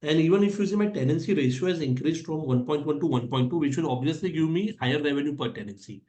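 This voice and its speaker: Echoey, mellow Indian-accented male executive. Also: on the high side, animated, fast talker. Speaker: company executive. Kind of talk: answering analyst questions on an earnings call. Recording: echoey conference call audio.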